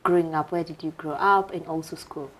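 A woman's voice: low voice, steady tone, fairly quick. A young woman hosting a casual interview on an indoor studio set, asking questions in a friendly, teasing way. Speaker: interview host.

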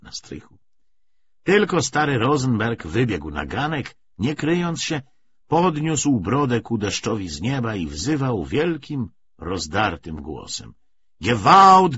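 A man's voice: dull audio, a little hiss or hum. A man reading a historical novel aloud as an audiobook narrator, with dramatic expression. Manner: expressive, dramatic reading with wide pitch swings.

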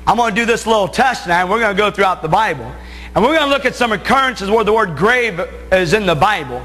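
A middle-aged American man preaches from the Bible in a notably high-pitched voice. He leans hard on key phrases, stretching them out for emphasis. The sound carries the long reverb of a church hall. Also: fairly bright tone. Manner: emphatic, stressing key phrases with drawn-out words. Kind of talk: Bible sermon to a congregation. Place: church sanctuary, at the pulpit and pacing beside it.

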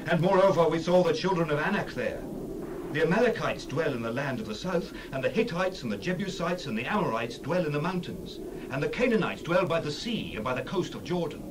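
Man playing animated, earnest Israelite scout. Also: a little high, a little fast, lightly acted. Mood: earnest, wary. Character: Israelite scout, male, earnest and fearful of giants. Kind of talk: dramatized Bible reading. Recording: clear background noise.

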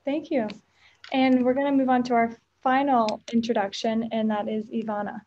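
A woman's voice: on the high side, little pitch movement, normal speed, darkish tone, lo-fi sound. A woman in her twenties moderating a panel informally on a video call from a meeting room.

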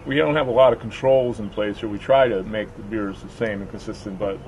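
A man's voice: on the low side, fairly even intonation, brisk, darkish tone, lo-fi sound. A middle-aged man with an American accent gives a casual, folksy explanation as a brewery owner showing visitors around. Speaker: brewery owner giving a tour. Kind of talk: casual explanatory tour talk. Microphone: camera a few feet away. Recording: echoey rooms, distant camera mic, noisy hum.

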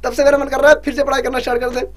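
A young man teaching a live online exam-prep class, pushing students to answer quickly, joking and scolding them as he goes. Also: extremely high pitch, flat delivery, a little hiss or hum.

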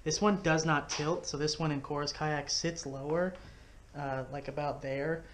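A man with a slightly higher voice talks through a home DIY build in an easygoing, step-by-step way. He is recorded indoors in his living room on a head-worn action camera, with faint room noise behind him. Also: measured pace. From Texas. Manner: relaxed, step-by-step explaining while working with his hands. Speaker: fishing video host. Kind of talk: casual how-to demonstration. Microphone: head-mounted action camera.

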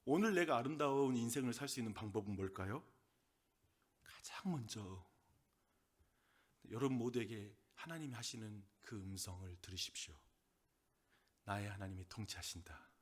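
A male pastor with a Gyeongsang Korean accent preaching a sermon, swinging between loud, emphatic lines and soft whispered asides. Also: on the low side, normal speed, pauses often, slightly rough.

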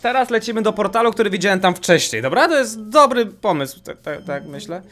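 A young man hosting a gaming channel, giving casual let's-play commentary and jumping into high yelps whenever he gets startled. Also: fairly quick. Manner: excitable, jumps to high-pitched yelps when startled. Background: game music.

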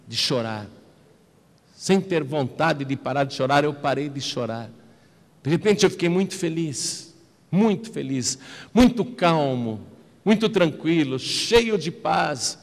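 A man preaching a personal testimony, shifting from slow, hushed, low delivery to high, emotional outbursts. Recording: long hall reverb.

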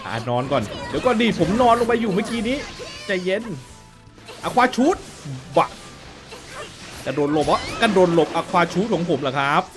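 Excitable man mouthing fight sound effects. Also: sits high, normal speed. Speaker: gaming YouTuber. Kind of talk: playful gameplay commentary. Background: game music.

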